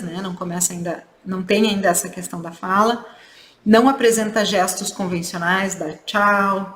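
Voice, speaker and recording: A woman clinician delivers a training lecture in a roomy, echoing space with a faint ambient hum behind her. She explains step by step and keeps checking in with her listeners through short tag questions. Her pitch sits at a mid level for a woman. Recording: echoey room with faint ambience.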